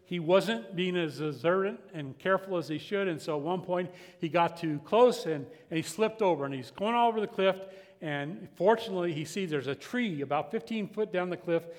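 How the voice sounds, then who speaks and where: A man preaching a sermon as pastor, telling a story with quoted voices and closing with a quiet invitation to prayer. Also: high voice, brisk. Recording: long reverb of a church hall.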